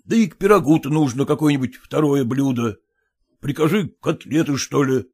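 A man's voice: mid-range voice, darkish tone, slightly rough. A man doing a stern, lecturing father-in-law. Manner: lecturing, scolding, drawn-out.

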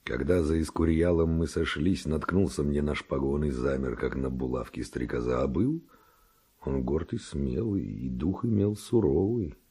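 An actor playing a bold, passionate Spanish nobleman and seducer in a verse radio drama, declaiming ardently in a gravelly, husky voice. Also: a bass voice, moderate pace, mellow, heavily acted. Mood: musing, excited.

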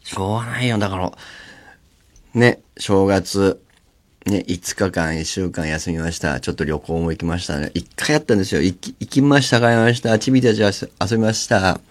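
A man's voice: low-pitched, moderate pace. A man hosting a radio show alone, telling stories in a chatty, laughing way. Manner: chatty, laughing, storytelling with lively swings. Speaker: radio host. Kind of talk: casual solo radio chat. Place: radio studio. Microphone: studio mic.

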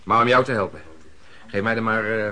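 An actor playing a shrewd but sociable peddler in radio drama dialogue, talking in a hesitant, colloquial bargaining manner. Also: male voice, lowish voice, brisk. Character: shrewd but sociable male peddler, haggling while acting helpful. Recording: busy room with loud chatter. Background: crowd chatter.

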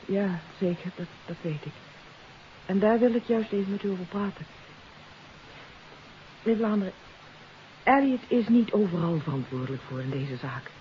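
An actress playing a troubled countess in a 1950s radio mystery, confessing earnestly and hesitantly. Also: female voice, mid-range voice, lively intonation, moderate pace, long pauses, natural voice. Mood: earnest, pleading. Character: troubled countess confessing her part in a kidnapping. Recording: hissy, dull 1950s radio recording.

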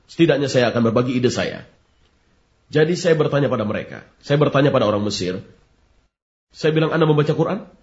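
A man dubbing a religious debate lecture, preaching emphatically and reciting scripture slowly. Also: on the high side, close to an everyday voice. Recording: dull lo-fi recording.

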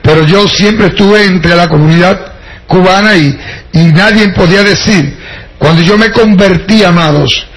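A man's voice: sits high, moderate pace, fairly bright tone, low-quality recording. An older man from Puerto Rico with a Puerto Rican accent, preaching his testimony to a congregation, addressing listeners directly and slipping in wry jokes. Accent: Puerto Rican Spanish.

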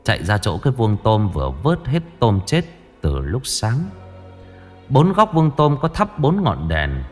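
Guy telling a ghost story, low husky voice, lots of ups and downs. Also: wildly swooping pitch, a little slow, a little mellow, faint music behind. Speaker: narrator.

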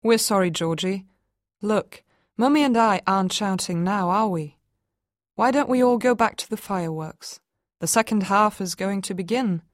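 Impatient husband, gruff and curt, as a woman reads him. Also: mid-range voice, normal speed, no room sound, studio quality, close to an everyday voice. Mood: soothing.

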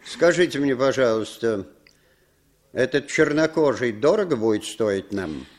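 A man's voice: mid-range voice, animated, unhurried. A man playing a cynical, commanding American spymaster in a 1960s radio play, speaking with dry irony. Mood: ironic. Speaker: intelligence chief.

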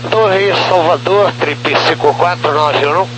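A man's voice: fairly high pitch, unhurried, fairly bright tone. A man as a pilot giving readbacks over a crackly aviation radio. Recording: crackly radio with hum and noise.

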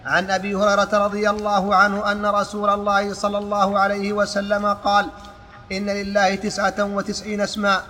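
A man reads a religious text aloud for a lesson at a steady pace, restarting a word now and then. His voice sits high and bright and barely moves in pitch. A long hall reverb and faint background noise surround him. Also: fairly quick. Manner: steady recitation with occasional restarts. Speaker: student reading a text aloud.

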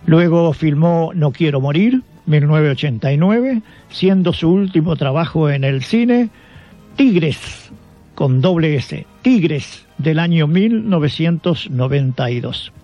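Higher-pitched Argentine man narrating on radio. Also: lively intonation, unhurried, warm tone. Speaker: radio show host. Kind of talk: scripted biographical radio narration. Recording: dull lo-fi sound with background music. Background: music.

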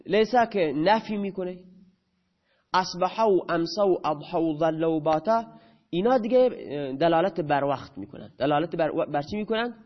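Man, grammar teacher, lecture style, fairly high voice, muffled lo-fi sound. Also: animated. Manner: asks students questions and answers them himself.

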